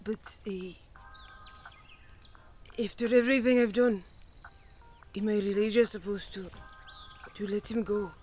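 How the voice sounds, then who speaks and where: A woman playing a reluctant, grieving young royal in a fiction podcast, speaking in a halting, hesitant way. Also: mid-range voice, fairly even intonation, darkish tone, soft background music, lightly acted. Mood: hesitant, downcast.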